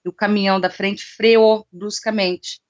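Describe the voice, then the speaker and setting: A young woman, telling a personal story in an interview in an emotional, animated way with casual slang. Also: medium pitch, a little slow, lo-fi sound. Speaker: interviewee, psychic.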